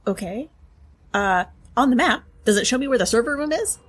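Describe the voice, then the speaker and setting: Woman, tabletop player, casual swearing, fairly high voice, husky. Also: expressive, brisk. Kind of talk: in-character tabletop play.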